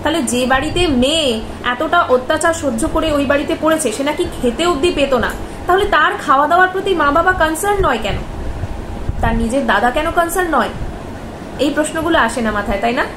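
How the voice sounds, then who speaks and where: A young woman speaks straight to camera in a high, bright voice, asking one rhetorical question after another. Her voice rings off the walls of a bare, echoey bedroom. A clear hiss of noise runs under it. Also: fairly quick. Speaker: vlogger. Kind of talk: commentary vlog. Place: bedroom, indoors. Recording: echoey room with background noise.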